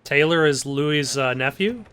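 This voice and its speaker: A man hosting a video game playthrough in a smooth, clear, slightly high voice. He comments casually and wryly, pausing as he thinks. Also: animated, fairly bright tone. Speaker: gameplay host.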